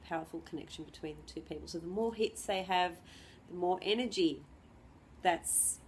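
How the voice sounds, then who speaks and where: A woman astrologer with the flu giving an unscripted lesson, clearing her throat and pausing often with ums and restarts. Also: lowish voice, darkish tone, slight background noise. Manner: hesitant, many ums and restarts.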